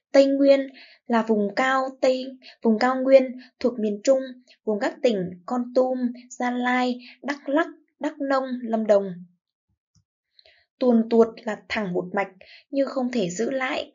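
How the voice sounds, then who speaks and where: Expressive female teacher reading aloud. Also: fairly high pitch, dull audio. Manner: slow, clear model reading with expressive phrasing. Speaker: primary school teacher. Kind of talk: reading lesson for young pupils.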